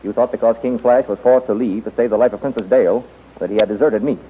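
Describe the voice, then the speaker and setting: An actor playing a bold rebel posing as a servant in a 1930s radio serial, speaking in formal, declamatory lines. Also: male voice, mid-range voice, fast, lightly acted. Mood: defiant. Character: defiant male rebel posing as royal servant. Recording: tinny, noisy 1930s radio recording.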